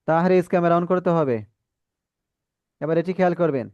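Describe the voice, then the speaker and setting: A man with a Bangladeshi accent teaching Quran reading in an online class, patiently correcting students and modelling drawn-out syllables. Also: a little high, a little mellow, clean tone, no room sound, dull audio.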